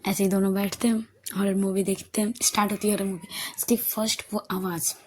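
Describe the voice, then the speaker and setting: A woman narrating an audio love story in a conversational manner, going soft and hushed in tender passages. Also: medium pitch, flat delivery, fast, slight background noise.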